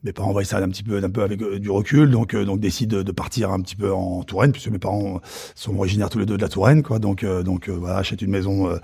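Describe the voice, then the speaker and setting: A middle-aged man with a Parisian suburban accent, a chef recalling his youth in halting casual talk full of fillers and restarts. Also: low voice, little pitch movement, gravelly, warm tone, breathy edge. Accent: Parisian suburban French. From Paris suburbs, France. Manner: hesitant, many fillers and restarts. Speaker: chef interviewed about his career. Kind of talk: casual spoken recollection.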